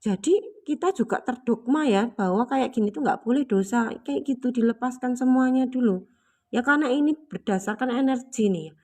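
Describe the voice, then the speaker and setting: Lady doing a chatty spiritual talk, gentle, lots of filler words, kinda high voice. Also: moderate pace.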